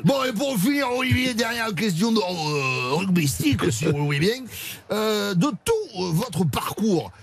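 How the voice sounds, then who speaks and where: A man's voice: high voice, big pitch swings, measured pace, slightly rough, pitched above the performer's own voice, exaggerated voice. A radio host voicing an overdone male rugby interviewer with a put-on southwest French accent, drawling and sing-song. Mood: mock-solemn.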